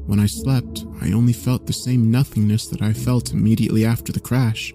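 A man narrating a scripted first-person horror story in a measured, solemn way. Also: fairly low pitch, flat delivery. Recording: faint music behind. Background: faint background music.

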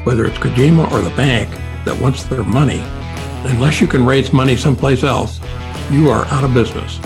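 A man's voice: medium pitch, a little fast, vocal fry. A man, a former firm chief, recounting past business events in a plain, matter-of-fact way. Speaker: former architecture firm CEO, podcast co-host. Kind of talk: recalling past events in a clip. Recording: clip with music underneath.

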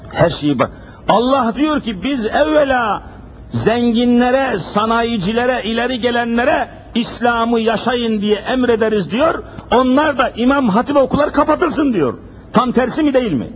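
A man preaching a sermon at a pulpit microphone, emphatic and full of repeated rhetorical questions. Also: extremely high pitch. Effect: speaking at a pulpit microphone. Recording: dull lo-fi recording with faint hiss.

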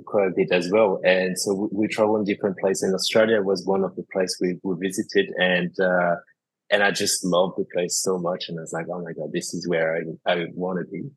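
Deep husky guy from france chatting on a podcast, lots of uhs and restarts. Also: dry recording, poor audio. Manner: halting, many fillers and restarts. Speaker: podcast guest, cooking school founder. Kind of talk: casual interview storytelling.

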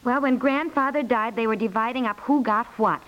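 High-voiced, excitable 1950s radio housewife, played by an actress. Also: female voice, brisk, lightly acted. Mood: chatty, recollecting. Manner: breathless, rambling, exclamatory. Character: excitable, chatty young-to-middle-aged housewife inheriting money. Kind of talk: 1950s radio comedy acting. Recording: muffled vintage 1950s radio recording.

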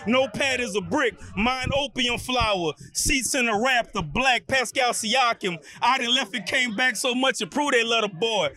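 A man's voice: very high-pitched, moderate pace, hardly any pauses, sharp tone. A man delivering a boastful rap verse in a hard-edged rhythmic flow.

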